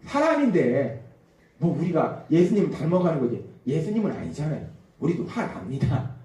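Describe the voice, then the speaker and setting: Guy preaching in church, high lively voice, mellow tone, lots of room echo. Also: normal speed. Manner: animated, acts out quoted voices, drops to a hush. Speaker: pastor. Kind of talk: sermon. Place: church sanctuary. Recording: echoey church hall from a distant mic.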